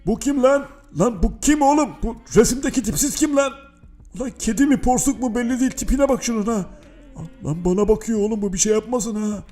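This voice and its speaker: A man plays a brash tomcat with a very high, squeaky voice. He swears and yelps at every surprise, and cartoonish music plays behind him. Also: a little fast. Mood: disgusted mockery. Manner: cursing, jumpy, exclaiming. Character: brash foul-mouthed male house cat.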